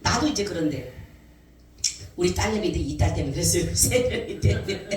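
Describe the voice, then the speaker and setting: Woman pastor, lowish voice, animated sermon storytelling, echoey hall, distant mic. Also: brisk, slight background noise. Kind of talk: sermon testimony. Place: church sanctuary.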